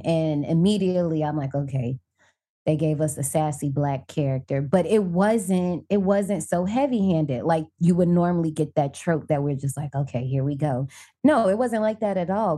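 A woman with an African American accent in casual conversation as a co-host, telling things in slangy language and acting out her reactions. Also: on the low side. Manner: slangy, animated storytelling with acted-out reactions. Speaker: podcast co-host reviewing short films. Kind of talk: casual chat.

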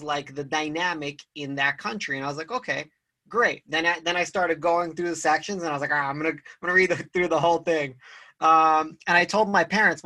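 Bright-voiced casual young man. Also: on the high side. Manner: casual, lots of "like" and laughs. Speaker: podcast host. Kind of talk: casual conversation.

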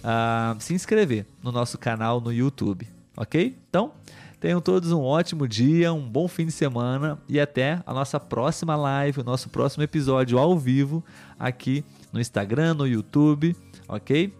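Hosting a live stream aimed at Portuguese learners, a man with a mid-range, darkish voice reads viewer comments at a normal speed. He's patient and teacherly, using many filler tags, and faint music can be heard in the background.

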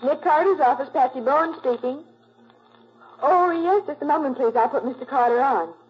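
A woman's voice: high-pitched, normal speed, lightly acted. A woman playing a pert, capable detective's secretary in a 1940s radio drama, efficient and teasing. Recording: muffled, noisy old 1940s radio recording.

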